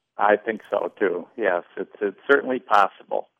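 The speaker is a man with a medium pitch. He talks at a fairly slow pace with fairly even intonation. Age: 60s. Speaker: caller. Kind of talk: call-in testimony. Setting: phone call. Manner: halting, many uh's.

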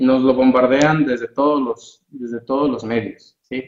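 A man speaks at a very slow pace in a medium-pitched voice. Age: 20s. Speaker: accountant and blogger. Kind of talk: online talk with Q&A. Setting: live online stream.

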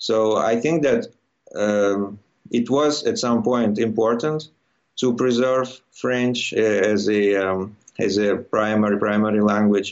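In a Russian accent, a man speaks at a very slow pace and a fairly low pitch. His intonation is fairly even, and his loudness stays very even. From Ukraine (Crimea), Russian family. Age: 30s. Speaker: data scientist and author. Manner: halting, with many fillers and repetitions.

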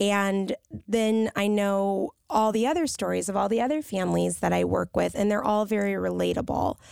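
A woman with an American accent at a moderate pace, in a very clean recording with a silent background. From US Midwest, Chicago suburbs. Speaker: family photographer. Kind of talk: interview conversation.

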